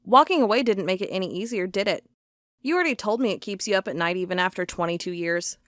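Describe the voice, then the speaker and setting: A woman's voice: mid-range voice, lively intonation, fast, a bit bright, no echo, studio quality, lightly acted. A woman playing a stubborn, sarcastic investigator of cold cases in an audio drama, with a wry, defiant manner. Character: stubborn, sarcastic female cold-case investigator hunting monsters.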